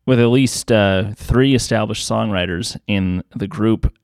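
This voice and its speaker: A man's voice: lowish voice, measured pace, darkish tone, smooth, no room sound, clean studio sound. A Canadian man hosting a podcast, asking a guest prepared, informative questions. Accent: Canadian English. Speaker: podcast host. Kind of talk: interview questions.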